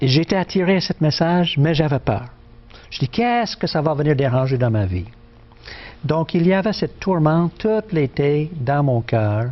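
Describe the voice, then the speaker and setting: At a fairly slow pace, a man with a slight English-Canadian accent talks at a fairly high pitch with lively intonation. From Ontario, Canada. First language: English (speaking French). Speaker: pastor and camp director. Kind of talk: testimony. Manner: hesitant, many fillers.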